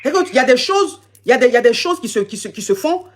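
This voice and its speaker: Woman coach giving advice, fast, kinda high voice, repeats herself a lot. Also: animated. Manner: emphatic, repeats words and restarts often. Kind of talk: live call-in advice chat.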